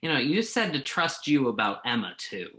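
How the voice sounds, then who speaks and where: Male journalist, acted by a man, stage drama reading: bright, expressive pitch, blunt, hesitant, wounded pride. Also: normal speed. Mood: exasperated. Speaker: actor in a virtual staged reading. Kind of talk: naturalistic play reading.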